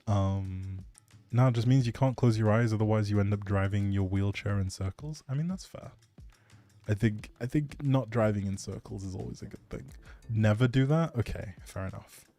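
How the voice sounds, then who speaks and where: Here a livestream gamer with a lowish, mellow voice talks at an ordinary pace, replying to his chat casually. He rambles and hesitates, frequently letting sentences trail away, and music runs in the background.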